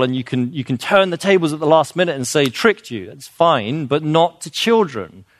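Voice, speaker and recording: A man with a mid-range voice gives an informal, earnest lecture on children's literature, explaining things with fillers and restarts and becoming emphatic on his key points. The audio is studio quality with no echo.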